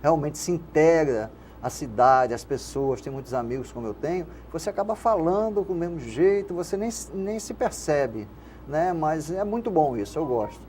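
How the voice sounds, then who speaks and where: An older Carioca man, interviewed about his life, with a somewhat high yet mellow, dark-toned voice. He talks in a rambling, reflective way, and a faint hiss of noise sits under the recording. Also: animated, normal speed. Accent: Carioca Brazilian Portuguese. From Rio de Janeiro, Brazil. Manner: reflective, rambling with frequent "né?" tags. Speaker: guest, radio station manager and poet. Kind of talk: casual interview conversation.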